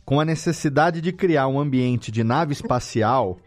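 A man's voice: medium pitch, a little slow. A Brazilian man hosting a podcast in casual conversation, informal and slangy, swearing lightly. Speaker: podcast host. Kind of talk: casual chat.

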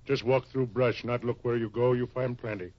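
A stoic ranch hand acted by a man in an old radio western, with a medium-pitched male voice. He talks in terse, deadpan broken English, and the recording is dull. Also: normal speed, close to an everyday voice. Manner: terse, clipped, deadpan pidgin phrasing. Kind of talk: 1950s radio western acting.

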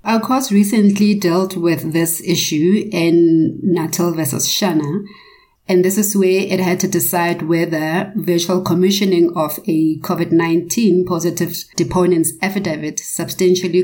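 A woman's voice: on the low side, steady tone, unhurried, darkish tone. A woman speaking formally and carefully, explaining points in a prepared legal panel discussion.

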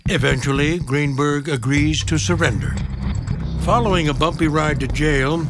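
Higher-voiced American man, dramatic tabloid TV narrator. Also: normal speed, low-quality recording. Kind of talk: scripted true-crime documentary narration. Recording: music playing behind narration. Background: dramatic background music.

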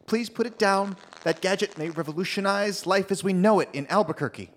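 An actor playing a kind, flustered inventor who stammers and pleads earnestly. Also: male voice, high-pitched, brisk, slight background noise, natural voice.

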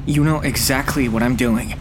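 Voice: medium pitch, fairly even intonation, moderate pace, lightly acted. An actor playing a stubborn, impulsive young stowaway in an audio drama, defiant and insistent. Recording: loud boat engine noise.

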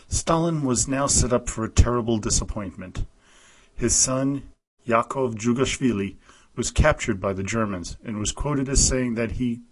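A man's voice: on the low side, husky, rough recording. A man narrating a history podcast from a script, reading out quotes from letters and memoirs with a slightly raised voice.

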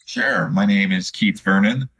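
A man in his fifties from Chicago, answering as a podcast guest in a conversational, halting and reflective way. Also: on the low side, a bit bright, slightly rough. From Chicago, United States. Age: 50s. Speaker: podcast guest, student physical therapist.

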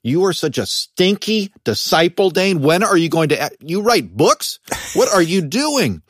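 Shrill nagging inner critic a guy puts on, mocking and scolding, way up high. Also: sing-song, measured pace, no echo, clean studio sound, full character voice.

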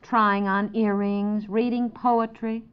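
Casting: actress as sensible, fretting wife and mother, medium-pitched, gently wry, natural domestic radio comedy on a dull vintage recording. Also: level tone, slow, clean tone, close to an everyday voice. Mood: wistful, fretful. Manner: conversational, gently wry, dramatizing her worries.

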